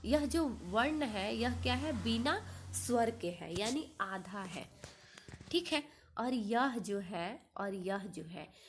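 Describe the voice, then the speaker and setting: A woman teaching a kindergarten Hindi lesson, reading words slowly one by one and quizzing the class with repeated questions. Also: a little high, a little hiss or hum.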